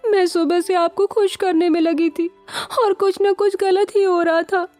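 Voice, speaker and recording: A woman voicing a frightened, tearful young woman who speaks in a high, pleading voice. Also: unhurried, darkish tone, no room sound, soft background music. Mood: sobbing. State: crying.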